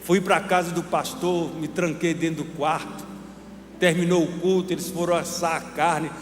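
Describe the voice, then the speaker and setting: A man's voice: on the high side, moderate pace. A Brazilian man preaching a sermon as pastor, telling stories and acting out the dialogue. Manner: animated storytelling, acts out dialogue. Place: church hall. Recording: echoey church hall, faint noise.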